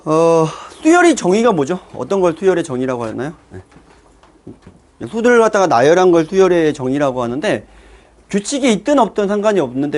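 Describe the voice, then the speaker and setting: A male math teacher giving a lively lesson to fellow teachers, acting out his students' reactions. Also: a little high. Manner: lively, acts out students' voices. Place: classroom.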